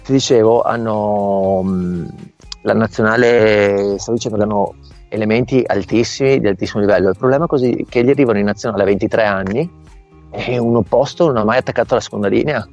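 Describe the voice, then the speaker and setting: A middle-aged man speaks over a remote call line, his voice sitting slightly low. The audio is dull and lo-fi, with faint music underneath. He explains patiently as a volleyball coach and keeps checking that his listener is following. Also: a little fast, darkish tone. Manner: explanatory, often asks "capito?". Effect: heard over a remote call line. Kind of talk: remote interview.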